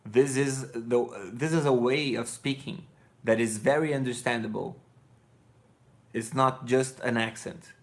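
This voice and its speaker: Streaming live from his living room, complete with couch and colored lights, a Brazilian man in his thirties whose first language is Portuguese responds to chat. He sounds sleepy and meanders bluntly, wandering off topic and self-correcting, in a mid-range voice at a somewhat slow pace.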